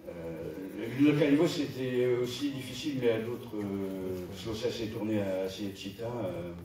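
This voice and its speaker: A man's voice: on the low side, normal speed, a crowd in the background. Hesitant man far off in a hall. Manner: hesitant, many fillers, trailing off. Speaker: actor on a festival panel. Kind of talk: panel talk. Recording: roomy hall, distant mic, faint noise.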